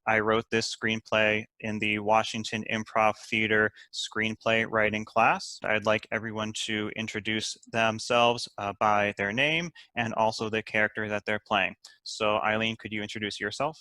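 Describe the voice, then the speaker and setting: A man's voice: fairly low pitch, flat delivery, moderate pace, hardly any pauses, pushed and bright, dry recording. A man hosting a script table read and reading out the stage directions as scripted narration. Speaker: host, writer and stage directions reader.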